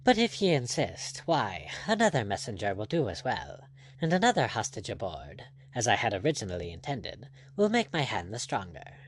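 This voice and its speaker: Casting: male narrator as bold buccaneer, ironic, courtly, wistful edge, animated storybook delivery. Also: lowish voice, normal speed. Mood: commanding, mocking. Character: gallant Irish pirate captain, bold, ironic, wistful.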